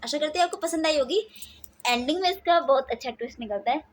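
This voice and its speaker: A woman's voice: high-pitched, fast talker. A woman teacher reading a story aloud with expression, then chatting with her students about it.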